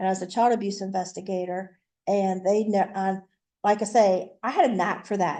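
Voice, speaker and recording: Against a quiet background, a woman with a dark, mellow tone speaks at medium pitch and a moderate pace, her intonation monotone and flat. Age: 60s. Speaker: near-death experiencer sharing her story. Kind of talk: testimony. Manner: halting.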